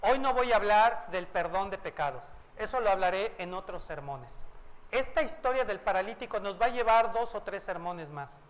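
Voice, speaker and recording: A man's voice: high voice, lively intonation, normal speed, muffled recording. A man preaching a sermon as pastor, changing tone and pace and asking rhetorical questions. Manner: varies tone and pace for emphasis, asks rhetorical questions. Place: church.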